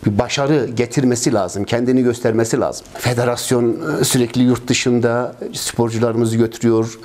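Speaking at a normal speed with a steady, slightly mellow mid-range voice, a ski club president in his fifties earnestly fields interview questions. He grumbles at length, repeating phrases and using many fillers, recorded on a lapel mic in an indoor office decorated with trophies and flags.

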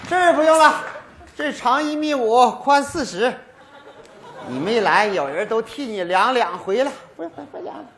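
Stubborn indignant old dad. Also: male voice, extremely high pitch, lively intonation, normal speed, a crowd in the background, background noise. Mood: grumbling. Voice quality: grumbling, sarcastic. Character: stubborn old widowed father, touchy and indignant. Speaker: sketch actor. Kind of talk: stage comedy sketch. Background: audience laughter.

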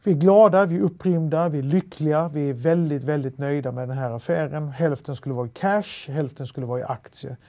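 A man's voice: a little high, few pauses. A middle-aged man with a Halland dialect, telling a story in an interview with restarts and fillers. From Sweden. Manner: lively anecdotal telling with many restarts and fillers.

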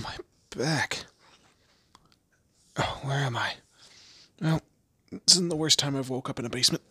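Casting: male actor as weary, sardonic captive in intimate roleplay audio, bright rough-edged voice, hesitant delivery. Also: mid-range voice, no echo, heavily acted. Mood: groggy, pained. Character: weary, wry young man kidnapped by a mob boss. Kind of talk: first-person roleplay audio drama, conversational.

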